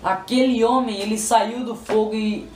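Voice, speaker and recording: A man's voice: sits high, fairly even intonation, normal speed, a little mellow. A man with a Brazilian Portuguese accent telling a spiritual testimony in a repetitive, pleading, emotional way. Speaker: person giving a religious testimony. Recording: roomy, distant mic, faint noise.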